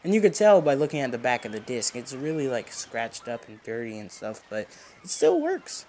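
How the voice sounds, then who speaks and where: A man's voice: medium pitch, huge pitch swings, normal speed, darkish tone, a little hiss or hum. A young man giving casual, rambling gameplay commentary, informal and reminiscing as a let's play host. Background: game music.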